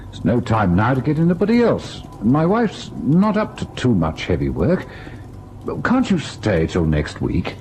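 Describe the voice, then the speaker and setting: An actor playing an educated, earnest husband who narrates a ghost tale in old-time radio style, expressive and at times hesitant. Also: male voice, mid-range voice, unhurried. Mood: coaxing, exasperated. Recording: noisy vintage radio recording.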